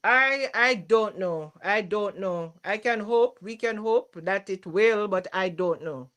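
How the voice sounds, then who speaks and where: A woman's voice: medium pitch, slow pace, fairly bright tone. A woman from Jamaica co-hosting a casual live stream, patiently explaining her view. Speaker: co-host.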